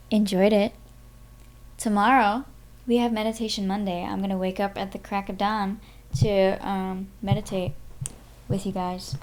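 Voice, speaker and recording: Slow-paced woman, expressive live-stream host. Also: medium pitch. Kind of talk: expressive audiobook-style reading and casual stream chat.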